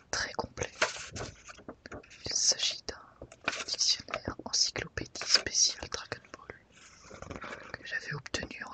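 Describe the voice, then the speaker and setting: A woman presenting an ASMR video in a soft, breathy whisper, with gentle, unhurried and careful phrasing. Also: rough recording. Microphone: microphone set slightly off to the side.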